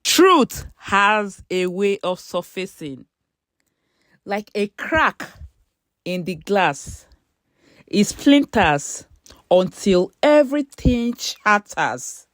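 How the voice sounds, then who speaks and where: Unhurried woman storyteller, dry sound. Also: mid-range voice, big pitch swings, fairly bright tone, dry recording. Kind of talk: dramatic scripted story narration.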